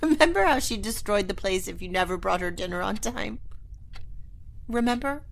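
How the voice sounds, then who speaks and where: A woman's voice: mid-range voice, expressive, moderate pace, vocal fry. An actress playing Anna, an earnest young woman in a retro sci-fi radio drama, pleading and stammering when upset. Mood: tender. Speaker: first-person narrator and lead. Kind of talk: golden-age style radio drama acting.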